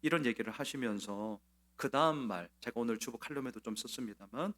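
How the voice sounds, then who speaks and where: A male pastor delivers a Sunday sermon in a church, speaking at an ordinary middle pitch. He tells the story in a conversational way, with many fillers and repeated words. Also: brisk, fairly bright tone. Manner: conversational storytelling, quoting others in a changed voice.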